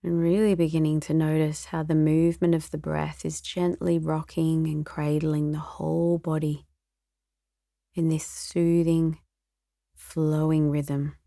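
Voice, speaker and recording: A woman guiding a meditation speaks softly in a low voice with a flat delivery, unhurried and soothing, at times breathy. The audio is clean studio sound without echo.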